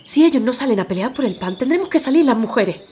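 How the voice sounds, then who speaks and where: A woman's voice: on the high side, animated, quick pace, warm tone, lightly acted. An actress playing an earnest, eager young working woman in a radio drama. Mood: earnest, urging.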